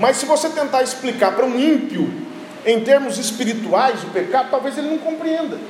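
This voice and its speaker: Animated and extremely high-pitched, a man talks at a moderate pace with ordinary pitch variation, with audible room echo and noticeable background noise. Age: 40s. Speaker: pastor. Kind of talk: sermon.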